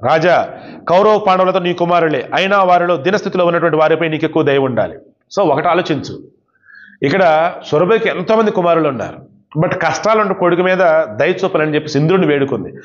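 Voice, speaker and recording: A man with a high, light voice tells an old devotional epic, reading a passage and then breaking it down in casual spoken terms. The recording is dull and lo-fi. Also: lively intonation, fast. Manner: reads verses then explains them in everyday speech. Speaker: devotional storyteller. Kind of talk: retelling an epic with casual commentary.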